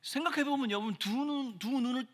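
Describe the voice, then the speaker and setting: A man preaching a sermon as pastor, earnest, pressing hard on key phrases and then dropping his voice low. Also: brisk. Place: church sanctuary. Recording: church hall reverb.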